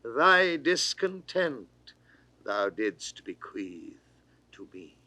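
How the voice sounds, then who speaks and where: Older man declaiming verse, very slow. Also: medium pitch, sing-song, sharp tone. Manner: declamatory, lingering on words with wide swoops. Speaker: poetry reader. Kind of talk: classical dramatic verse reading. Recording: dry 1960s studio recording.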